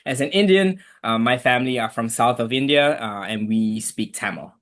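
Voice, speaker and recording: A man's voice: mid-range voice, lively intonation, moderate pace, a bit bright. A young man from Malaysia with a Malaysian accent, a guest on an interview podcast, talking easygoing and chatty with many fillers. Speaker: guest, immigration attorney. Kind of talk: casual interview.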